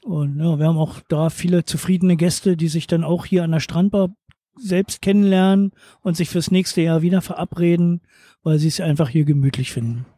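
A man from eastern Germany talks about his beach bar at an unhurried pace. His voice sits a little high but sounds mellow and soft-edged. The recording is dry and close, with no room sound. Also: steady tone, no echo. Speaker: beach bar and holiday flat owner. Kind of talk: interview answers.

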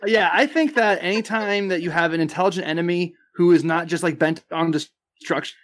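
A man appearing as a podcast guest, explaining game tips in a measured way with frequent "uh" pauses. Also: high voice, fairly bright tone. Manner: measured, many "uh" fillers, explanatory. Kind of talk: casual podcast advice talk.

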